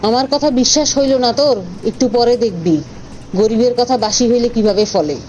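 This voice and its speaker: A woman voicing an excitable, suspicious and stubborn young boy in an animated cartoon, speaking colloquially and dramatically. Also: fairly high pitch, a little fast, a little hiss or hum, close to an everyday voice. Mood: insistent. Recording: dull audio with faint background music.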